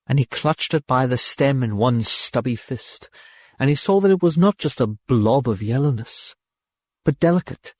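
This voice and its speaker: A man reading a science fiction short story as an audiobook narrator, in a measured, expressive literary manner. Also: mid-range voice, no room sound, studio quality.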